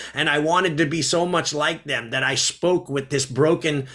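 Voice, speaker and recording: Here a man talks at a moderate pace in a bright, sharp tone. His pitch is fairly high and his intonation fairly even. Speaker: martial arts school owner and podcast co-host. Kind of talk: casual podcast chat.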